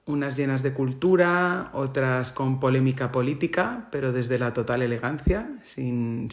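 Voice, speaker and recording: A man from Spain with a Spain Spanish accent, giving a reflective solo monologue as a podcaster. He talks in a thoughtful way and often pauses to search for the right word. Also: medium pitch.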